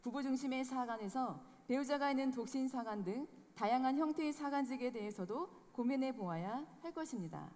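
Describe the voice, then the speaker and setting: A woman presenting a formal scripted report in a clear, formal tone. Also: high-pitched, animated, a little fast, few pauses, a little mellow. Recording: long hall reverb.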